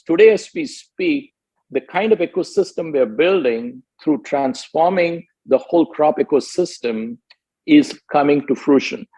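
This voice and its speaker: A man giving a business presentation as a company executive, emphatic and deliberate, point by point. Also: a little high, a little mellow, rough recording.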